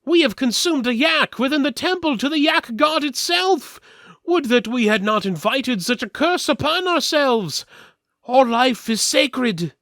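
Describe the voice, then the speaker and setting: A man performs a solemn, pious twin from a fantasy storybook. The voice is very high and plaintive, declaiming in grief, with a dry sound. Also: expressive, a little slow, bright, forceful tone, dry recording, heavily acted. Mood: anguished piety.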